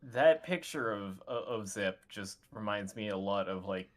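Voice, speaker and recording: A man with a fairly low voice takes part in a casual panel chat. He speaks hesitantly, feeling around for the right words. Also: expressive, a little slow.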